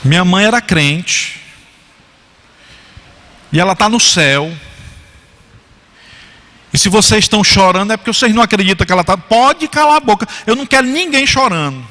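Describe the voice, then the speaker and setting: A man's voice: high voice, expressive, moderate pace, pauses often, pushed and bright, voice pushed up. Man doing a stern, zealous pious son. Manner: stern, commanding. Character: zealous pious young man scolding mourners. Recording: church hall reverb.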